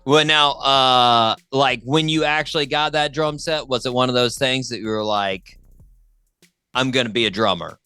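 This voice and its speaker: A man's voice: mid-range voice, fairly even intonation, normal speed, pushed and bright, clean tone, no echo. A man hosting a music interview in a casual, enthusiastic way, often repeating his phrases. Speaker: talk show host.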